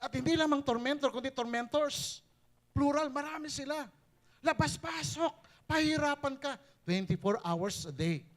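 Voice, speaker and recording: Mixing English and Tagalog, this preacher's voice sits at an extremely high pitch while he keeps a normal pace. His sermon is animated, with emphasis that keeps climbing.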